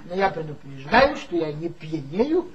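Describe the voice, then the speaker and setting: A man's voice: fairly high pitch, sing-song, a little slow, highs cut off. An actor playing a tipsy former magazine worker who mockingly gossips about his old boss in a 1960s radio play. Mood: gossipy. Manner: gossipy, mocking, confiding storyteller.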